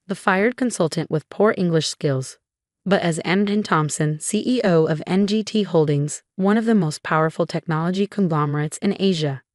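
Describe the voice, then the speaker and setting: A woman narrating a scripted first-person revenge story in a composed, even way. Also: lowish voice, dry recording, clean studio sound.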